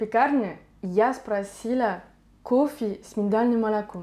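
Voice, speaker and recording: A woman with a French accent speaks at a fairly high pitch. Her tone is dark and mellow. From northern France. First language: French (speaking Russian). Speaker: podcast host, language school founder. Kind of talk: casual interview chat.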